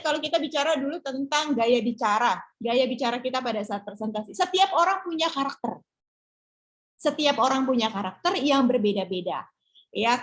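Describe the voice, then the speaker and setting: High-voiced encouraging woman trainer. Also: fairly bright tone, poor audio. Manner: encouraging, peppers speech with "ya". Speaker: public speaking trainer. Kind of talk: online class Q&A answer.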